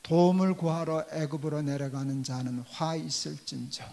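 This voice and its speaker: Older male pastor, somewhat high voice, storytelling sermon, long church reverb. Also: steady tone, normal speed, gravelly, a little mellow. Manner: storytelling, acting out quoted dialogue. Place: church sanctuary.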